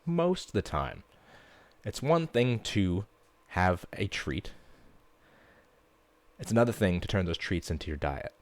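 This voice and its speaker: Blunt deep-voiced male podcast coach. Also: big pitch swings, a little slow, pauses often, dry recording. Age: young adult to middle-aged parent. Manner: blunt and fired-up, swears casually. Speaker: podcast host and fitness coach. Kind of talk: casual solo podcast monologue.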